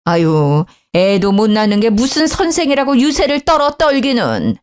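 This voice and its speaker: A harsh middle-aged mother-in-law snaps and scolds in shrill, rising bursts, as a woman puts her on. Her voice swings widely as she nags, raising it to a shout and sighing in disgust. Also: sing-song, moderate pace, clear, resonant tone. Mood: scolding.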